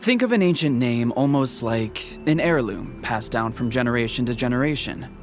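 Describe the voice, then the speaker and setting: Over music, a male actor voices a calm, dignified, protective tribal chief in a video game, speaking in a measured, formal manner. His natural, mid-range voice carries a solemn, explanatory mood.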